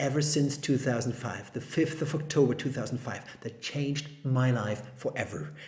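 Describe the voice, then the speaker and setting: With an animated tone and vocal fry, a man speaks at a medium pitch. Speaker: public speaking coach. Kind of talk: online talk to camera.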